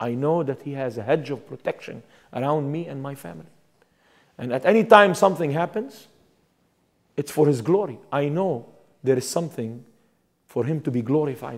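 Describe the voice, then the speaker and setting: A man with an Arabic accent speaks at a fairly high pitch and a moderate pace, with lively intonation and big swings in loudness. Long, frequent pauses break up his speech against a quiet background. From Lebanon, Beirut; Lebanon. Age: 40s. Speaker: missionary; interviewee. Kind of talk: testimony. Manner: halting. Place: home room. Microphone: lapel.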